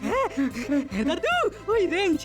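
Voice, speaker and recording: A scornful cartoon bully boy, extremely high and swinging in pitch. He blusters and threatens, boastful throughout. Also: animated, a little slow. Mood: scheming. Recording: music under the dialogue.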